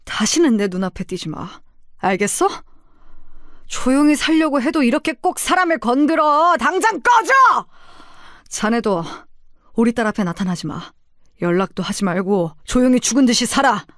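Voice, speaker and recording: A woman voicing a protective middle-aged father, a former gangster, speaking low and curt. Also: lively intonation, moderate pace, no room sound, clean studio sound, lightly acted. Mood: threatening. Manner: low, curt and threatening, then gentle.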